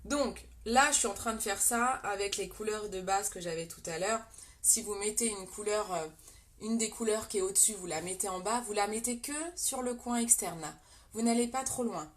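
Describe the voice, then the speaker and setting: Speaking at a moderate pace in a medium-pitched voice, this makeup livestream host is a young French woman with a French accent. She chats away with viewers as she works, responding to them and reading their comments.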